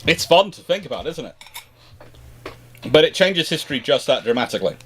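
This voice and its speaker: A man's voice: a little high, big pitch swings, a little fast, a bit bright, slight background noise. A man hosting a casual history discussion, talking at length and rephrasing as he reasons through his answers. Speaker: history show host answering questions. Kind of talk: casual speculative discussion, explaining.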